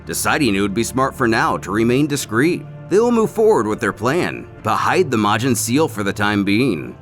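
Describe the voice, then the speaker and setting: A man giving a scripted story recap as a narrator, in a dramatic, animated storytelling manner. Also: on the low side, normal speed, soft background music. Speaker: narrator of a fan comic recap series.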